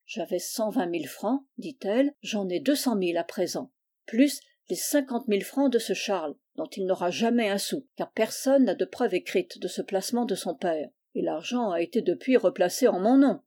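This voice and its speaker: A miserly, cruel old woman who barks and scolds in a sharp, loud voice, put on by a woman reading a storybook. Her tone stays soft and mellow even while she rages. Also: medium pitch, normal speed, natural voice. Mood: fretful scheming. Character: stingy, cruel older woman cousin.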